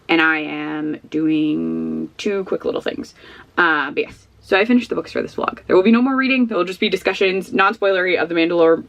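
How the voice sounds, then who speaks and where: A woman with a somewhat low voice talks casually into a camera at home, giving frank, rambling opinions. She sounds sniffly, and her voice is going. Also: creaky, fairly bright tone. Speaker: vlogger. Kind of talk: casual book review chat.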